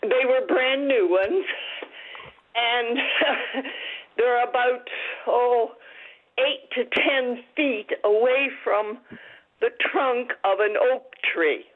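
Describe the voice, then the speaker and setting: A woman calling in to a radio show on speakerphone, telling her story haltingly with many pauses. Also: on the high side. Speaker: radio call-in caller. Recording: tinny speakerphone line, somewhat distant.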